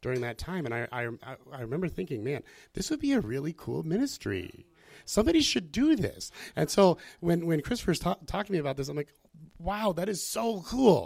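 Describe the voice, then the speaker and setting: A man talks at a fairly quick pace with a fairly high pitch and very wide pitch swings. The recording is very clean, with a silent background. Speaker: church event host and pastor. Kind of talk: prayer and announcements. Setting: church gathering with audience.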